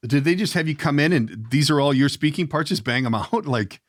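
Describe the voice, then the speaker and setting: A man's voice: fairly high pitch, expressive, a little fast, dry recording. Middle-aged man hosting, close dry mic. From Minnesota. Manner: rambling, informal questioning. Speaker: podcast host. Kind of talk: casual interview chat.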